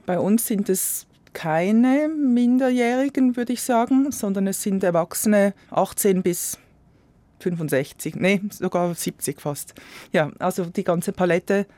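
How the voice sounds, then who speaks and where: A man, answering interview questions in a hesitant, reflective way and often trailing off softly. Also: sits high, unhurried, dry recording. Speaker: guest, volunteer program coordinator. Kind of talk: interview conversation.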